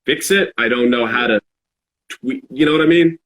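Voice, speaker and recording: A man in a casual, reflective podcast chat, halting as he searches for words. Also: medium pitch, fairly bright tone. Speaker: podcast speaker.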